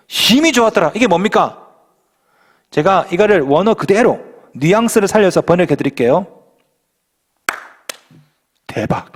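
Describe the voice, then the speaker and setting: Male pastor, high voice, very animated delivery, playful church sermon. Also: long reverb tail. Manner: lively, playful preaching with slang exclamations.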